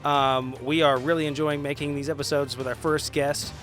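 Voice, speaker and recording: A man's voice: on the high side, flat delivery, moderate pace, a bit bright. Upbeat male podcast host over faint music. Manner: upbeat, friendly, informal. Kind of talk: casual podcast outro.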